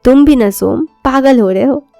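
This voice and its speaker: A woman's voice: high voice, unhurried, gravelly, dark tone, dry recording, soft background music. A woman voicing a young college woman in love, shy and anxious but principled, earnest in an audio story. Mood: playful, surprised. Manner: earnest, protesting.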